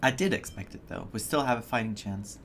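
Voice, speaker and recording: A man's voice: fairly low pitch, expressive, a little fast, gravelly, fairly bright tone, slight background noise. A man doing casual gameplay reaction commentary, muttering to himself and to the game as he plays. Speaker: game streamer.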